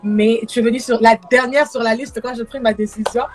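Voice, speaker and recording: A young adult woman from the Democratic Republic of the Congo, a gospel worship singer chatting as a guest on a live video call, soft-spoken with many fillers and repeated words. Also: on the high side, fairly even intonation, brisk, crowd noise. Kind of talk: casual live-stream chat.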